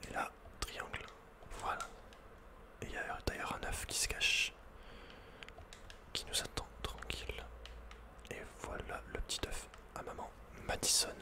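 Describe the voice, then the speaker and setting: A man's voice: unhurried, long pauses. A man whispering unhurriedly as he thinks aloud, hosting an ASMR video game playthrough. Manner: whispering throughout. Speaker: ASMR gamer host.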